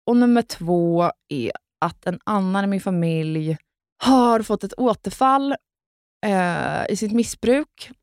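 A woman's voice: mid-range voice, animated, darkish tone, dry recording, clean studio sound. A young woman co-hosting a podcast, telling a personal story in casual chat and swearing freely. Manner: candid, swears a lot, retells with "jag bara". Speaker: podcast co-host.

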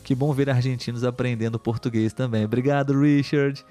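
Reading viewer comments on his Portuguese-learning live stream, this man stays patient and teacherly, dropping in many filler tags. He speaks at a medium pitch, steady and fairly quick, with a dark tone, over faint background music.

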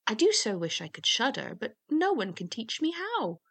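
A woman's voice: fairly high pitch, very animated, moderate pace, fairly bright tone, voice pushed up, full character voice. A woman voicing a simple, stubborn, fearless young man in a fairy tale, speaking in a naive and emphatic way. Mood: wistful.

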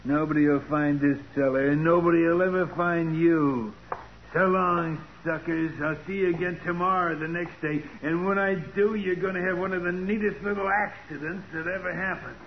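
An actor playing a menacing, wisecracking gangster in a 1940s radio crime drama, with tough, mocking, slangy talk. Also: male voice, on the high side, steady tone, moderate pace, close to an everyday voice. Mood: gloating. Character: menacing wisecracking gangster Joe, sneering and cold. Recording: muffled noisy 1940s radio recording.

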